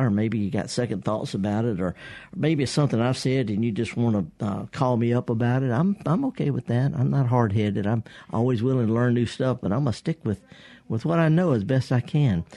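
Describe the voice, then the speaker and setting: Folksy radio host, a man, husky and warm-toned, close and dry in the studio. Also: medium pitch, no room sound. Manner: folksy, rambling, chuckling. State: husky from pollen. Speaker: radio gardening show host. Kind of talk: casual radio call-in talk. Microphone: studio microphone.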